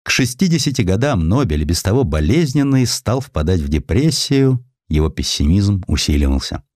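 A male audiobook narrator tells history in a dramatized, expressive way. His voice is very low, with a wide melodic range and deliberate phrasing. The sound is close and dry. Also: no room sound.

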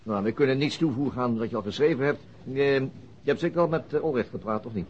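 A man's voice: medium pitch, fast talker, highs cut off, slight background noise, natural voice. A man playing a sober, middle-aged police detective in a naturalistic radio drama, matter-of-fact and guarded.

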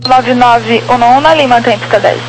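A woman working as an airport tower controller, giving brisk, terse procedural instructions over a walkie-talkie style radio. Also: on the high side, steady tone, heavy background noise.

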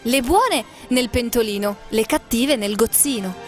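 A gentle, humble young girl from a fairy tale, played by a woman reading aloud, calling out in a high, pleading voice. Soft music runs faintly underneath. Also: unhurried, close to an everyday voice. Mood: imploring.

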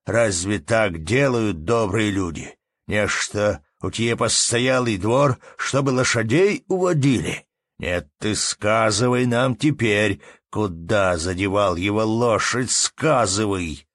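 A stout, hot-headed peasant, voiced by a male narrator, pressing his point in a low, slow, firm voice with rustic phrasing. It sounds like a storybook, recorded dry. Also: expressive, fairly bright tone, dry recording, full character voice. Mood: heated. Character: stout middle-aged peasant man, fiery.

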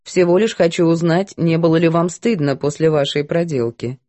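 A woman voicing a composed, firm governess who speaks calmly and evenly, a little lower. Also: dry recording, lightly acted. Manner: calm, measured, composed. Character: calm, firm older English governess.

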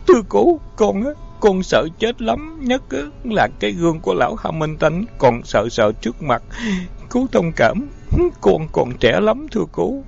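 A man's voice: on the high side, big pitch swings, normal speed, creaky, hardly any pauses, warm tone, pitched above the performer's own voice. A man voicing a terrified male butcher shop owner who stammers and pleads through tears. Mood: sobbing, pleading. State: crying. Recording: dull lo-fi audio, faint music.

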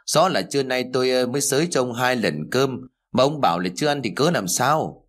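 A man voicing an exasperated elderly village wife who scolds her forgetful husband in rapid bursts of complaint. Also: mid-range voice, animated, natural voice. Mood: lamenting. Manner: nagging, rapid-fire complaining.

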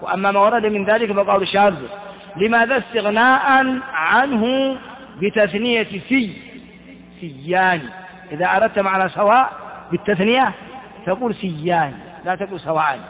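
A man's voice: sits high, fairly quick. A man teaching a classical Arabic grammar lesson, explaining step by step and asking and answering his own questions. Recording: tinny phone-like sound with long reverb.

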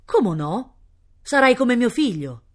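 A woman's voice: a little high, big pitch swings, slow, pitched above the performer's own voice. Woman playing a genial, insistent Spanish prince. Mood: insistent, festive. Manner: mixes Spanish phrases into speech, insistent. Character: jovial Spanish prince, generous exiled nobleman.

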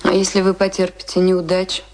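A woman's voice: on the low side, completely flat delivery, brisk, darkish tone, lightly acted. An actress playing an anxious, earnest young woman in a Russian radio play, hesitant and pleading as she argues. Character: anxious, earnest young sweetheart, gently arguing.

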